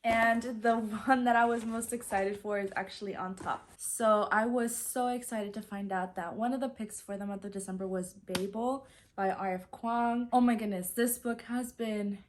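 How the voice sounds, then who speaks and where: A woman's voice: medium pitch, steady tone, moderate pace, a little hiss or hum. A woman whose first language is Spanish, chatting casually about a stack of new books and filling her talk with "like" and "so". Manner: chatty, fills with "like" and "so". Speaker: book vlogger. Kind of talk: casual book haul chat.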